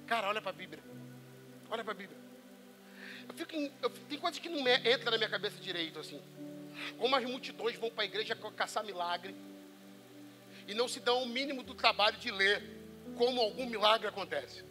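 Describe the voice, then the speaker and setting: A man with a Brazilian Portuguese accent preaching a sermon in a church, swinging between loud calls and hushed lines and acting out the voices of the people he quotes. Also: sits high, animated, quick pace, over music. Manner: acts out quoted voices of church members and Bible figures. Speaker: pastor. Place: church service.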